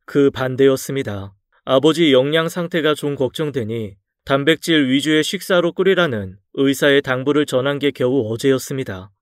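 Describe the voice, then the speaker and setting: A man narrating a dramatized true story in a calm, confessional first-person way. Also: medium pitch, normal speed, dry recording, studio quality.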